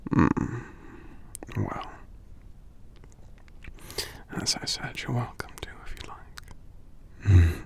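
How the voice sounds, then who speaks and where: A man voicing a gentle, congested giant lover in an intimate ASMR roleplay, murmuring softly and tenderly with small hums between phrases. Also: deep voice, heavily acted. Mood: gentle, inviting. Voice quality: congested, stuffy, breathy half-whisper. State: congested from a cold. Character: gentle sick male giant, tender romantic partner.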